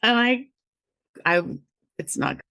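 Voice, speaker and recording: A woman's voice: a little high, slow pace, bright, forceful tone, clear, resonant tone, no room sound, studio quality. A woman, a guest chatting casually, rambling and laughing, with lots of fillers and the odd swear. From New Zealand. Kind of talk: casual conversational interview.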